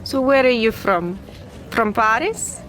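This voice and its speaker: A woman playing a friendly young tourist, lively. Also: a little high, unhurried, slight background noise.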